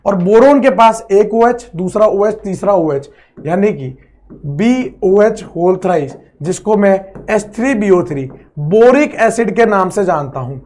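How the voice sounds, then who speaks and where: Male chemistry teacher, high-pitched voice, repeats each step, classroom lecture. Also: animated, unhurried, a little mellow. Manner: repeats phrases, drills students, calls them friend.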